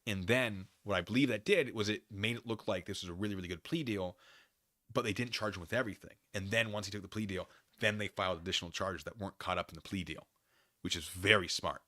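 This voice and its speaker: An American man hosting a casual livestream, rambling through commentary and chat comments in an animated, digressive way and often losing his thread. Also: lowish voice, fast, dry recording, studio quality. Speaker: livestream host.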